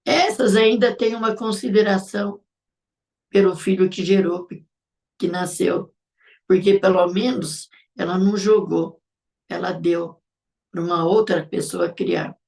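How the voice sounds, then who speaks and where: A middle-aged woman with a Brazilian Portuguese accent, hosting a live show and speaking in a heartfelt, reflective way with soft laughs. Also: on the low side, fairly even intonation, a little slow, vocal fry, far from the mic. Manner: emotional, reflective, laughing softly between thoughts. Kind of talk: heartfelt live-stream talk.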